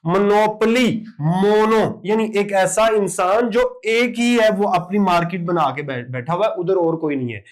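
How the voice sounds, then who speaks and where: A man teaching exam vocabulary, drilling word after word in an animated lecture. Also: high-pitched. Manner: lively, emphatic word-drilling with repeated "ठीक है".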